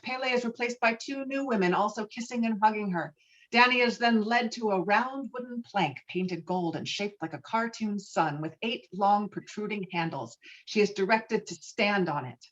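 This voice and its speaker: A woman's voice: medium pitch, normal speed, a bit bright, highs cut off. A woman reading stage directions as scripted narration for a virtual table read, recorded over an online call. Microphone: online call microphone.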